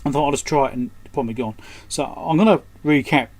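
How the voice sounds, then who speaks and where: Fast-talking and medium-pitched, the man presents his electronics repair while muttering and thinking out loud over the workbench. The commentary is casual and hands-on, recorded with clear background noise.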